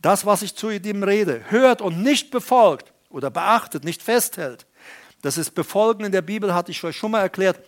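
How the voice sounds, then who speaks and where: A middle-aged man preaching in an emphatic sermon style. His voice sits high for a man, and he stops to explain words from the Greek. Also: expressive, moderate pace. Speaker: pastor.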